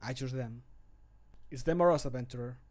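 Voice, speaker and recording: A man voicing a grave, stoic fantasy adventurer in measured, solemn game voice lines. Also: mid-range voice, darkish tone, close to an everyday voice. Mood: resolute.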